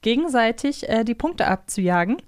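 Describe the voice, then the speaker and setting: A woman's voice: on the high side, lively intonation, moderate pace, no echo, clean studio sound. A woman hosting a casual quiz podcast, chatting and joking with her co-host. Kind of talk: casual quiz banter between co-hosts.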